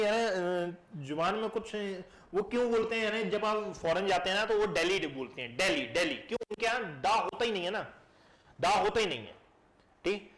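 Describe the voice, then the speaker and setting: A man teaching a live class, keeping it lively and putting questions to his students. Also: high-pitched. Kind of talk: classroom lecture. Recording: echoey classroom.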